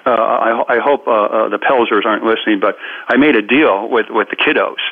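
Brief: fifties man, talk-radio guest, animated storyteller, phone-line sound. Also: lowish voice, brisk. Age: 50s. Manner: animated storyteller, acts out quoted voices. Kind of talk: radio interview.

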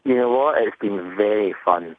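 A man's voice: on the low side, moderate pace. A man with a broad Scottish accent, talking earnestly as a guest in a conversational radio interview. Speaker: interview guest, brand representative. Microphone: telephone. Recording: narrow, tinny phone line.

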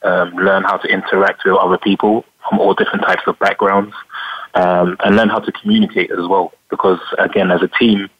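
A low, even-voiced man with a London accent answers interview questions in a measured way, stopping often to think. He is a middle-aged retired soccer player. The recording sounds dull and lo-fi. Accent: London English. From England. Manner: measured, frequent "um" pauses.

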